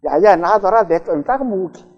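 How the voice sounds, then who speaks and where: A man's voice: high voice, animated, fairly quick. A man voicing a grumbling old woman near a hundred, sighing and complaining in Gyeongsang dialect. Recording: dull, reverberant church recording.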